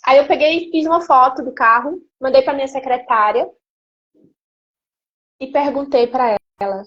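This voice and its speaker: A woman, a guest giving an emotional personal testimony in an animated storytelling way. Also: sits high, moderate pace, highs cut off. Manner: animated storytelling, acting out quoted speech. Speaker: interview guest.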